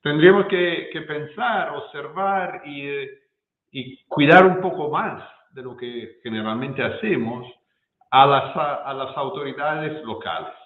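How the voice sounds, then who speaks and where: Halting Italian-accented man, slow and echoey. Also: fairly high pitch. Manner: halting, hesitant, repeats words while searching for them. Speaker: guest speaker, professor. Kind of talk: academic presentation. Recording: echoey room, muffled lo-fi sound.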